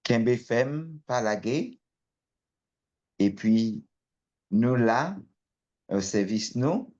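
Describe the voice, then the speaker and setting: Catholic priest guy praying, solemn n slow, kinda dull lofi call audio. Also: medium pitch, lively intonation, a little mellow. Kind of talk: liturgical prayer and blessing. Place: online video prayer meeting.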